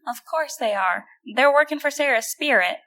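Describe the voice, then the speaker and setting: A woman's voice: sits high, lively intonation, moderate pace, bright, forceful tone, heavily acted. A woman playing a stern, blunt leader figure in an audio drama, speaking in a commanding, insistent way.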